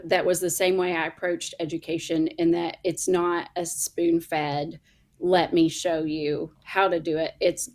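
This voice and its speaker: A woman's voice: lowish voice, darkish tone. A middle-aged woman with an Oklahoma accent, a guest chatting in bursts about her work as a coach. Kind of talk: casual chat.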